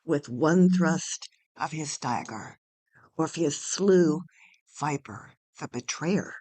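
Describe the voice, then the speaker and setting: A woman reading a play aloud as a deliberate, dramatic narrator, including stage directions. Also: sits low, expressive, darkish tone, husky. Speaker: playwright reading own play.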